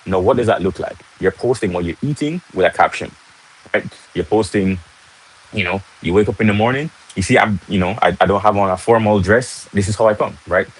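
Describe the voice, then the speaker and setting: A man's voice: lowish voice, a little fast, husky, rough recording. A young man from Jamaica with a Jamaican accent, hosting a casual livestream and chatting to viewers, often tagging on "right?". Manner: chatty, repeats "right?", greets viewers mid-talk. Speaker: livestream host. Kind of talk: casual live-stream teaching. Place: in Jamaica, casual home setting.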